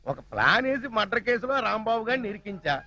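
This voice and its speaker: Fast-talking scheming uncle. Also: male voice, high voice, big pitch swings, bright, forceful tone, no room sound, heavily acted. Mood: boastful. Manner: brash, bragging, fast talk. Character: scheming middle-aged uncle, boastful schemer. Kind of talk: film comedy dialogue. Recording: dry, slightly dull film audio.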